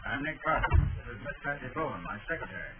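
Male actor private detective, assured, crisp, authoritative, 1940s radio drama, phone-like band, loud hiss. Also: on the high side, animated, rapid-fire, natural voice. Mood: brisk. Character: confident, brisk master private detective. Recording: very noisy, tinny 1940s radio recording.

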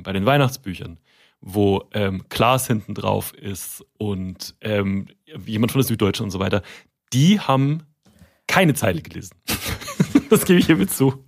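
A man with a lowish voice chats as a guest author. He stops and restarts often and mixes in self-deprecating jokes. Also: expressive, normal speed. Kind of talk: casual interview chat.

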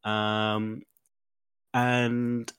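A man's voice: mid-range voice, monotone, very slow, a bit bright, clean tone, no room sound. A man co-hosting a podcast, telling rambling stories full of fillers and sounding a bit sniffly. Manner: rambling, chatty storytelling with many fillers. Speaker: podcast co-host. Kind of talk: casual chat.

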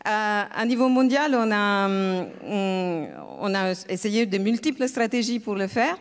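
A woman professor talks on a conference panel with a smooth, clear voice. She hesitates often and fills gaps with filler sounds. Her voice carries through a long, echoing hall reverb. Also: medium pitch, measured pace. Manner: hesitant, many filler sounds, searching for words. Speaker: energy economics professor, panelist. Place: lecture hall at a school.

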